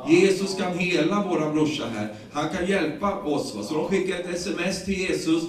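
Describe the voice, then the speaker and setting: A man with a Swedish accent and a voice a little high for a man preaches in a loud, echoing room, picked up from some distance. He retells scripture in lively, everyday language, tripping over repeated words along the way.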